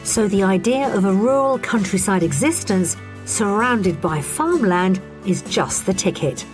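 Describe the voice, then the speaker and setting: A woman presenter giving measured, informative scripted voice-over for a television property programme. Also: medium pitch, lively intonation. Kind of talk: scripted TV narration. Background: background music.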